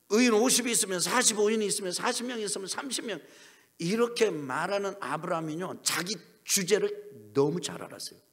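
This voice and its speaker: A middle-aged male pastor delivers an emphatic sermon with a somewhat high voice. He acts out the dialogue of the story he is preaching and calls on the congregation to repeat after him. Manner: emphatic preaching with acted-out dialogue and call-and-response.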